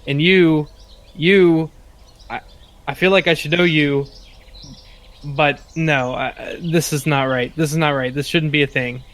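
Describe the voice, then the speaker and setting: Guy acting as a freaked out plant man in denial, kinda high voice, stammers and repeats stuff, rpg game. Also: steady tone, a little slow, long pauses, fairly bright tone. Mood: agitated denial. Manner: agitated, repetitive stammering. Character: Zach, flustered man turned plant creature, in denial.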